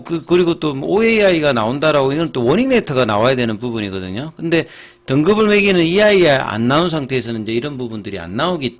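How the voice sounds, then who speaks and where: A middle-aged man talks through market news in a casual explanatory way. He works step by step, often pausing on fillers and restarting his sentences. His voice sits at an ordinary middle pitch. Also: gravelly. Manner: explains with frequent fillers and restarts, steady and methodical. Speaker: stock market commentator.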